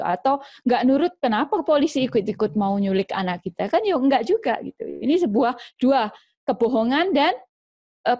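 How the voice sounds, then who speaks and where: Animated woman doctor giving parenting advice. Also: a little high. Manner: lively, acts out examples of parents scolding. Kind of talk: informal educational talk.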